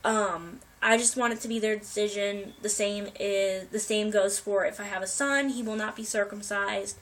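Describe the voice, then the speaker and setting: Bright-voiced young woman with a cold. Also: medium pitch, steady tone, normal speed. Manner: rambling, many ums and restarts. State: getting over a cold, coughing. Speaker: vlogger. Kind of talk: casual life update to viewers.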